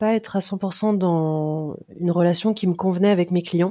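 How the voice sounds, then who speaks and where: Over a silent background in a very clean recording, a woman speaks very slowly in a dark, mellow tone, with a fairly low pitch and ordinary pitch variation. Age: 30s. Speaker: interior architect. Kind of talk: interview. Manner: halting, many fillers.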